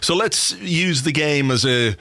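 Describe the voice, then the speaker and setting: A man hosting a football podcast with a cold that leaves him a bit croaky, chatting with a dry, sweary, self-mocking humour. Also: fairly high pitch, expressive, a little slow, pushed and bright, no echo. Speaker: podcast host. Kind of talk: casual football podcast chat. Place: home office. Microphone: studio microphone.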